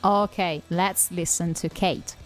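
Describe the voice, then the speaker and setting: A woman's voice: fairly low pitch, fairly even intonation, slow pace, soft background music. A woman hosting an English-learning podcast, talking in an upbeat, teacherly way. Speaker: podcast host.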